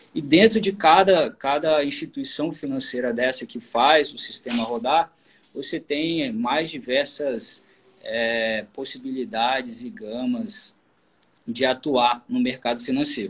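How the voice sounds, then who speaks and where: Speaking very slowly, a man of medium pitch uses lively intonation. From Espírito Santo, Brazil. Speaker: financial market professional. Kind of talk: live stream interview.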